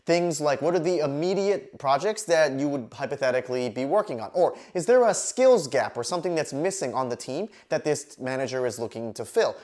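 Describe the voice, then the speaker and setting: Lively, low-pitched woman giving advice. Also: a little fast, hardly any pauses. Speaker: career advice host, recruiter. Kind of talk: scripted instructional video talk to camera.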